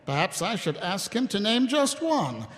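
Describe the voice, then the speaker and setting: A man's voice: high voice, big pitch swings, measured pace, fairly bright tone, full character voice. A man playing a weary, sardonic middle-aged watch captain in live audio theatre, rambling and wry. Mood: exasperated. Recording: echoey live stage hall, music behind.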